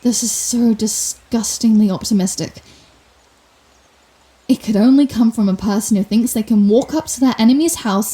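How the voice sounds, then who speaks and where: A woman playing a proud, sardonic telepathic villain with a secret soft side, in a theatrical, wry manner for an intimate ASMR roleplay. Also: mid-range voice, lightly acted. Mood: defensive, scornful. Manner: theatrical, wry, flustered denials, grand pronouncements.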